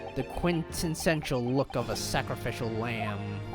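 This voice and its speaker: Over loud music in the background, a man does a put-on character voice at medium pitch and a moderate pace. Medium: read story. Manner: slow, sinister.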